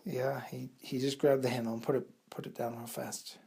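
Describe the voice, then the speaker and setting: A man improvising a bedtime story for children, in an unhurried, halting way with a slightly husky, breathy voice. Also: medium pitch, little pitch movement, warm tone.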